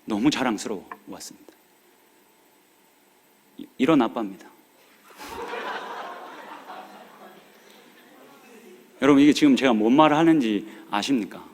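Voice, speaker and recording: A man's voice: medium pitch, expressive, takes it slowly, long pauses, a little hiss or hum. A man in his forties, a pastor preaching a sermon, urging and pleading with his congregation in a regional dialect. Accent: Korean regional dialect. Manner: earnest, pleading exhortation with rising urgency. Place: church sanctuary. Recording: long hall reverb of a church.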